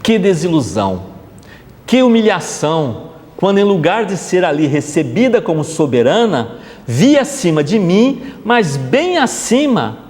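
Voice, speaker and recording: A man's voice: high-pitched, big pitch swings, measured pace, darkish tone, in a large hall. A man gives a conversational gospel study talk, often checking in with his audience. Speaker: spiritist lecturer. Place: spiritist center hall.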